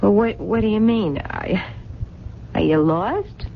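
A woman's voice: mid-range voice, expressive, slow, gravelly. A woman playing a weary, kind-hearted working-class waitress with plain colloquial talk in a radio drama. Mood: puzzled. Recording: dull old radio recording, faint noise.

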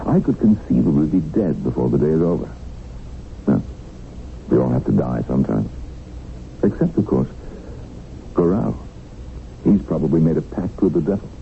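Defiant middle-aged tycoon held captive, gravelly, animated intonation, sardonic, radio drama. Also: male voice, rumbling low, normal speed, pauses often, full character voice. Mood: weary, reflective. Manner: sardonic, reflective. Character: wry kidnapped tycoon, middle-aged man, worldly and defiant. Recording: narrow-band, noisy old radio broadcast.

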